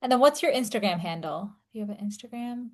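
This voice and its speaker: A woman hosts a conversational interview podcast. Her phrasing is informal and unscripted, often padded with "like". She speaks at an ordinary middle pitch. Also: animated, fast. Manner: informal, peppered with "like". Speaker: podcast host. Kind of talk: casual interview chat.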